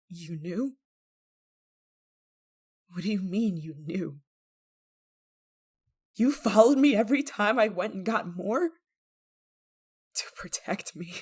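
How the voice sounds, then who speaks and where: A woman acting an obsessive, guilt-ridden lover in an ASMR roleplay monologue, with halting, pleading, stammering delivery. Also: lowish voice, darkish tone, husky. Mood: stunned, hurt.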